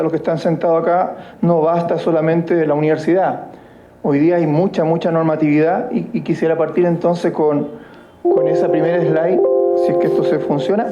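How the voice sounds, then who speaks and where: A middle-aged man from Chile with a Chilean accent giving a conference lecture to colleagues, halting with many restarts. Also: a little high, dark tone, highs cut off. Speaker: guest lecturer. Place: university lecture room.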